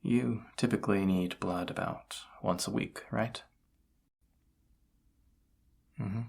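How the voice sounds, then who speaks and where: Casting: male actor as a weary, awkward incubus roommate for audio roleplay, very low gravelly voice, hesitant delivery. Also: steady tone, heavily acted. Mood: thoughtful, casual. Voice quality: husky, gravelly. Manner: hesitant, halting, soft-spoken, awkward. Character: tired, flustered male incubus roommate confessing feelings. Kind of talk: roleplay audio drama, intimate one-sided dialogue.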